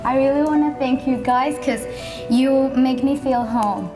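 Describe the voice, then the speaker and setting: A woman's voice: high-pitched, measured pace, over music. A woman exchange student giving an earnest, grateful thank-you speech. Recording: far off in an echoey hall.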